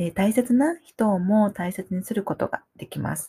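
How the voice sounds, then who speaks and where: A woman's ordinary speaking voice, medium in pitch, with ordinary pitch variation at a moderate pace. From Japan, Kyoto. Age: 20s. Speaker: self-love coach. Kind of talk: solo podcast monologue.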